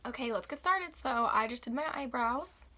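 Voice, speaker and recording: A young woman with a raspy, slightly hoarse voice after the flu, chatting casually through a makeup tutorial. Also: fairly high pitch, animated, moderate pace. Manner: chatty, upbeat, filler-heavy. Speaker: beauty vlogger.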